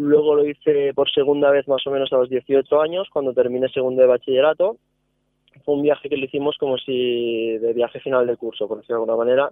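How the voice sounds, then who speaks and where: Speaking at a fairly quick pace, a man with a fairly high pitch keeps his intonation fairly even. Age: 20s. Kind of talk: testimony. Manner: cheerful.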